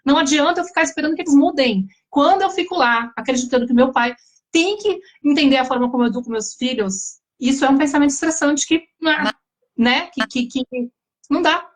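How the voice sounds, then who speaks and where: Brazilian woman in her forties, high voice, chatty live-stream guest who explains at length. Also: fairly quick. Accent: Brazilian Portuguese. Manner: talkative, explains at length with examples. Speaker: pediatrician guest. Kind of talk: casual live-stream talk.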